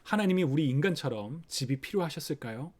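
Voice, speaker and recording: A man preaching a sermon for an online service, explaining a scripture passage gently and acting out the worried thoughts of parents. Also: fairly high pitch, lively intonation, fast. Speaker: pastor. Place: online worship recording.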